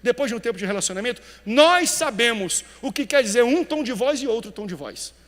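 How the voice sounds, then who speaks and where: High-voiced preacher, big church echo. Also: male voice, brisk. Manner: animated preacher, swings between loud emphasis and quiet lines. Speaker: pastor. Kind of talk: sermon.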